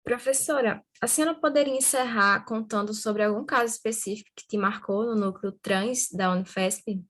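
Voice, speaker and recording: A woman from Brazil interviews a guest, her voice at a middle pitch. She reads out a formal question in a polite, measured way. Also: a bit bright.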